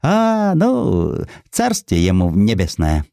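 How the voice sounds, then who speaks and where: A man's voice: fairly low pitch, wildly swooping pitch, takes it slowly, gravelly, warm tone, no room sound, studio quality, heavily acted. A man voicing a nosy, simple old beggar with drawling, hesitant folk speech in an audiobook. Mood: curious, indifferent. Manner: folksy, drawling, hesitant questioning.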